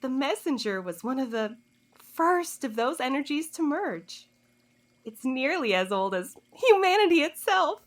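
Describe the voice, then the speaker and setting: Audio drama role: sly, condescending woman played by an actress, high-voiced and very animated, toying with her questioners. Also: unhurried. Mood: cool, philosophical. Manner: teasing, condescending, theatrical drawl. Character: sly, smug woman informant, coolly taunting her interrogators.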